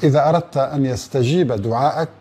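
Earnest husky-voiced male preacher. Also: medium pitch, fast talker, dark tone. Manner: earnest, asks rhetorical questions, addresses the listener directly. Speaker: religious speaker. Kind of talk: religious talk to listeners.

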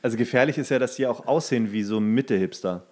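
A man's voice: medium pitch, quick pace, darkish tone. A young man, talking casually as co-host of a podcast.

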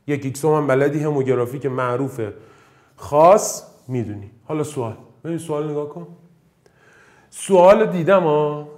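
Animated, joking male math teacher. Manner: animated, jokey, swings between loud bursts and low muttering. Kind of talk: exam-prep math lesson.

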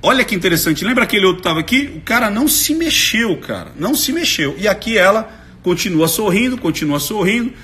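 A Brazilian man giving excited live commentary as a body language analyst, breaking into sudden shouts. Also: high voice, quick pace. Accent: Brazilian Portuguese.

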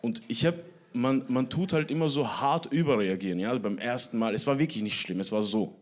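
A young man doing a stand-up comedy set on a club stage, telling an animated story and acting out voices. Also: mid-range voice, brisk. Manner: animated storytelling, acts out whiny teen voices.

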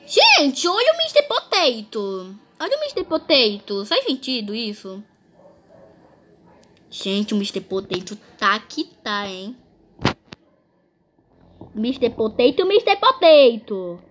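Lively high-pitched Brazilian woman gamer. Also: slow pace, pauses often, background noise. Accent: Brazilian Portuguese. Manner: animated, exclamatory, talks to viewers. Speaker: gaming video host. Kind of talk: excited gameplay commentary.

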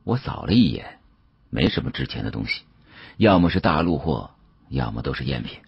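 Very deep husky male audiobook narrator. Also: very animated, normal speed, no echo. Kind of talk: dramatic scripted storytelling in the first person. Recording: dull, muffled dry studio sound.

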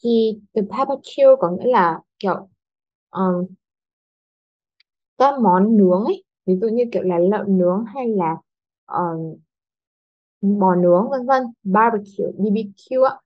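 A woman's voice: medium pitch, a little slow, long pauses, highs cut off. A young woman teaching a school English lesson online, explaining patiently step by step and often checking that her pupils follow. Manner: patient, explains step by step, asks "đúng không".

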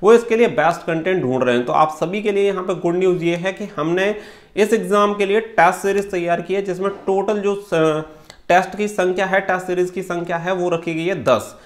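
A man's voice: high voice, fairly quick. A man, explaining things to camera in an instructional way, mixing in English words. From India. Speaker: exam-prep coach and channel host. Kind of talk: explanatory talk to camera for exam candidates. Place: small room indoors.

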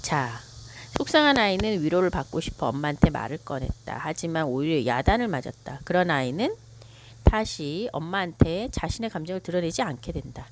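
Female counselor, low voice with lively pitch, reflective pace and many fillers, reading and commenting. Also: background noise. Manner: slow and reflective, frequent hesitation fillers. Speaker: author and counselor. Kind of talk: reading a book aloud with commentary.

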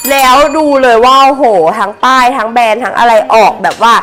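A Thai woman selling clothes on a live stream in a chatty promotional pitch, with sweet polite address to customers. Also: brisk, sharp tone. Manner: sweet polite particles, addresses customers as older sister and mother. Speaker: live-stream seller of secondhand clothing bales.

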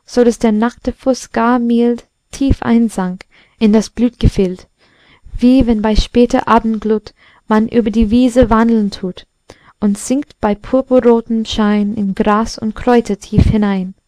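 A woman's voice: on the high side, mellow, no echo. Woman doing a vain old candlestick. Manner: self-important storyteller. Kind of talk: storybook reading.

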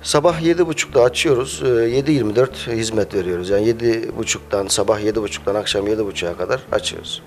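A man's voice: on the low side, fast, few pauses, a little hiss or hum. A man in his thirties who owns a cafe, answering interview questions hesitantly with many filler sounds, speaking into a handheld mic held by the interviewer in a small cafe. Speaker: cafe owner. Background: faint music.

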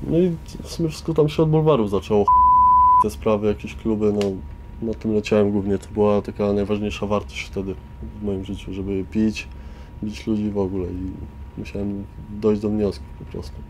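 A man's voice: fairly low pitch, steady tone, moderate pace, background noise. A teenage man from Warsaw giving a casual personal account. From Warsaw, Poland. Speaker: resident of youth correctional centre.

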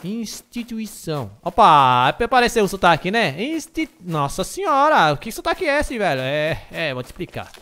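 A man with an Algerian accent, mixing Arabic and French sounds, loudly and excitably commentating his own gameplay. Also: high-pitched, normal speed, few pauses. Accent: Algerian, Arabic and French mix. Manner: loud, excitable, shouts into the mic. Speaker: gaming YouTuber. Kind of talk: let's play commentary.

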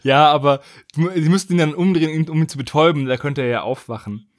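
A man's voice: on the high side, fast. A man co-hosting a podcast, discussing casually in an analytical, questioning way. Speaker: podcast host.

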